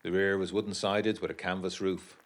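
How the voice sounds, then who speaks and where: A man giving measured, brooding, literary first-person narration for a historical audio drama. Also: sits low, little pitch movement.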